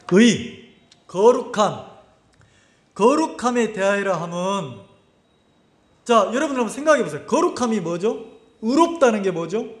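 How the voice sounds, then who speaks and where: A male pastor preaching a sermon at a church camp, constantly asking the congregation questions. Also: sits high. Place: church summer camp service. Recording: echoey hall.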